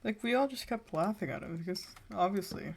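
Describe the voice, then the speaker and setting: A woman's voice: medium pitch, lively intonation, fairly quick, creaky, slight background noise. A teenage woman streaming a game and telling a rambling story in casual chat, full of filler likes. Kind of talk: casual chat while gaming.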